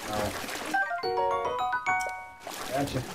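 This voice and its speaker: A man's voice: drawn-out words, over loud music. A man giving casual let's-play commentary, rambling and muttering to himself as he plays. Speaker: gaming host. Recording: distant mic, clear background noise.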